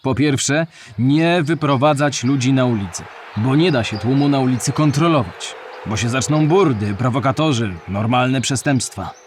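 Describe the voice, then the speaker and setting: A man's voice: mid-range voice, normal speed, slight background noise, natural voice. An actor playing a plain-spoken male shipyard worker giving first-person testimony in an audio drama. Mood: reminiscing, resolute.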